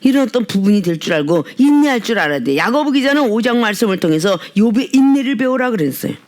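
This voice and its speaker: A woman's voice: on the high side, very animated, quick pace, darkish tone. A woman pastor preaching an emphatic sermon at a healing service, often prodding listeners with tag questions.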